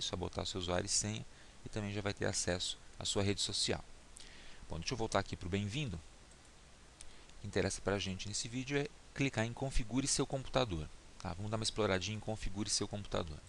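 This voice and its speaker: A man with a somewhat low voice narrates a computer tutorial at an easy pace. He talks the viewer through each click and keeps checking in, and a faint hiss and mouse clicks sit under his voice. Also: brisk, a bit bright. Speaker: instructor. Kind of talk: screen-recorded software tutorial.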